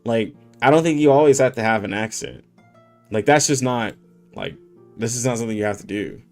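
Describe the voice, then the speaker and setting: A male gaming streamer chats on a live stream at home, slangy and animated, leaning on filler words and breaking into laughs. His voice sits at a middle pitch. Faint game music runs behind him. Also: fairly quick. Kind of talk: casual livestream chat.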